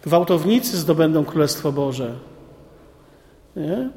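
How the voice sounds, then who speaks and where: A man preaching to a group of men, reading scripture and commenting on it in a lively, colloquial way with many rhetorical questions. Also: fairly high pitch, slow. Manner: lively, colloquial asides, frequent rhetorical "nie?". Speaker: preacher addressing a men's group. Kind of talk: sermon with Bible reading and commentary. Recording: long hall reverb.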